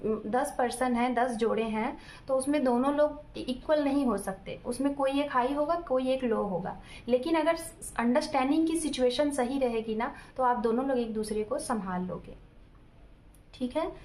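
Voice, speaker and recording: A woman tarot reader giving casual relationship advice, talking straight to her viewers and explaining with everyday examples. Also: high-pitched. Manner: explains with everyday examples, often checks in with "ठीक है"; addresses viewers directly.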